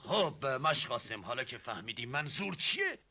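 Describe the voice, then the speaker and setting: A pompous, impatient nobleman playing judge in a TV comedy drama. His sharp, husky voice swings widely as he barks orders. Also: mid-range voice, big pitch swings, exaggerated voice. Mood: stern. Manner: formal, impatient, commanding.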